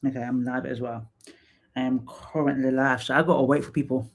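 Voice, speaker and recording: A woman's voice: very deep voice, steady tone, a little fast. Chatty woman hosting a livestream. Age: 30s. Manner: chatty, laughs easily, lots of fillers and repeats. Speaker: livestream host and psychotherapist. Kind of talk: casual livestream chat.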